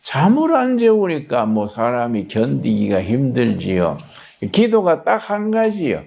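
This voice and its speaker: An older male pastor with a gravelly voice. He preaches slowly and unhurriedly, telling his story in a plain, folksy way. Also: medium pitch, wildly swooping pitch, a little mellow. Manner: folksy, plain-spoken, anecdotal. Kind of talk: storytelling sermon.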